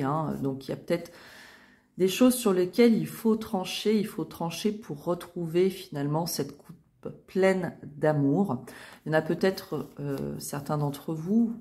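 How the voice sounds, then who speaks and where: Low-pitched and a little mellow, a tarot reader chats her way through a casual reading video. She often uses fillers and restarts her sentences.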